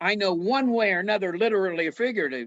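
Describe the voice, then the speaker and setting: In a US Midwestern accent, a man talks at a fairly quick pace with a bright, sharp tone, the sound dry and close with no echo. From US Midwest (southeast Iowa). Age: 60s. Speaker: wrestling announcer and ministry founder. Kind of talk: podcast interview.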